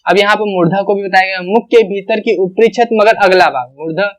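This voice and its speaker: A man with a high voice teaches an exam-prep grammar class. He explains each point step by step and says every example sound aloud, often twice. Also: brisk.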